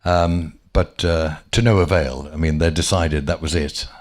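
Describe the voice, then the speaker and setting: A man's voice: rumbling low, steady tone, a little slow. An older man being interviewed, reminiscing casually with frequent chuckles, hesitations and restarts. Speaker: former offshore radio DJ, guest.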